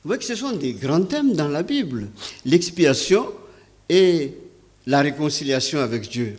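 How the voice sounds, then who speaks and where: A pastor from Madagascar preaching a sermon, stressing key words with sharp rises and often hesitating and repeating himself. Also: male voice, on the high side, big pitch swings, a little slow.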